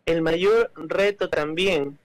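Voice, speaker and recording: Appearing as an interview guest, an Ecuadorian cultural manager speaks in a voice a little high for a man. He lays out his views at length, hesitating with fillers, restarting phrases and repeating words, and the recording is slow and low in quality.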